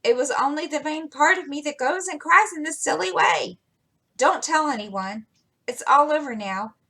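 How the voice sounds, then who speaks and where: A woman's voice: high-pitched, animated, normal speed, gravelly, pushed and bright, pitched above the performer's own voice, full character voice. A woman reading aloud as an impulsive, spirited teenage girl telling her own tale. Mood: tearful.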